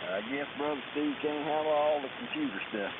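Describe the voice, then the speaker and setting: A man's voice: fairly high pitch, brisk. A man chatting casually as an amateur operator over a ham radio transmission. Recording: narrow, hissy, noisy radio link.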